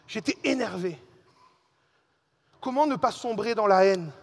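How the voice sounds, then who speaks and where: A man preaching a sermon as a pastor, telling a personal story in a lively way and speaking directly to the congregation. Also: high-pitched, in a large hall. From Alsace and Réunion. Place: church hall.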